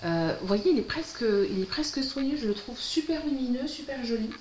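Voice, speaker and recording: A woman's voice: high-pitched, expressive, a little fast, echoey room, a little hiss or hum, low-quality recording. A woman hosting a casual fabric unboxing vlog from home, chatty and enthusiastic, often saying how delighted she is. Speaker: sewing vlogger and host. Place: at home, filming at night.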